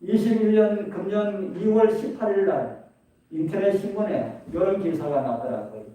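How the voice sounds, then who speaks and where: Middle-aged male pastor, mellow high-set voice, preaching from far off in a big echoey church. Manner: preaching with rhetorical questions, rising and falling emphasis. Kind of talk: sermon. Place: church sanctuary. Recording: echoey hall, distant mic.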